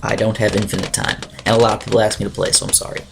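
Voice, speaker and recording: Music plays in the background as a teenage YouTuber chats over his gameplay in rapid-fire fashion. His lowish voice is raspy, dry and flat, and he rambles with plenty of fillers and throat-clearing.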